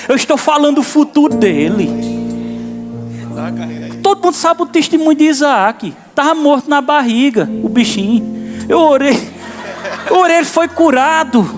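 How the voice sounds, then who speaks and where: A man preaching a lively live sermon in a church and calling out to the congregation. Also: very high voice. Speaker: pastor. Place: church service. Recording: sermon with instrument music behind.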